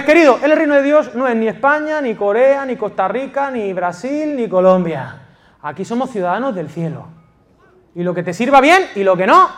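A man from Spain preaching a passionate sermon as pastor of a church, swinging from loud emphasis to quiet intimacy. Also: high-pitched. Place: church in Valencia.

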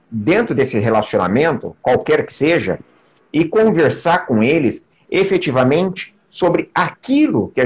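A man hosting an interview, explaining steadily with pauses and fillers. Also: mid-range voice, husky. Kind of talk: conversational interview.

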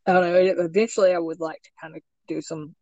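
A man's voice: high voice, flat delivery, fast talker, dark tone, dry recording, lo-fi sound. A man speaking as a podcast guest in casual chat, hesitant and stammering, laughing a lot.

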